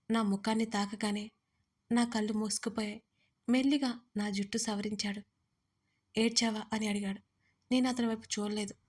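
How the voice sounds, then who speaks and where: A woman's voice: mid-range voice, husky. A woman reading a first-person romance story aloud, with emotional, dramatic delivery. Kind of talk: scripted first-person narration.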